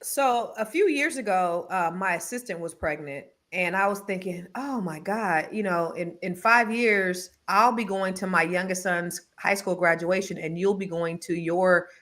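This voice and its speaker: A woman hosting a casual talk show, chatty and animated, telling stories with quick restarts. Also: fairly low pitch. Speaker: podcast host. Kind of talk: casual chat.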